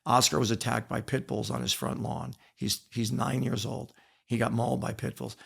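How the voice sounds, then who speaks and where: This middle-aged American, an author and ex-wrestler appearing on a podcast, reflects on his life with a flat, moderately paced delivery, mid-range pitch, vocal fry and a breathy edge. He speaks emphatically, circling back to key phrases to give them weight.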